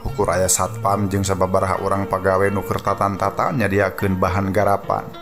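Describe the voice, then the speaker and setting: Sundanese guy doing radio storytelling, lowish voice, dramatic narration, music in the back. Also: monotone, normal speed.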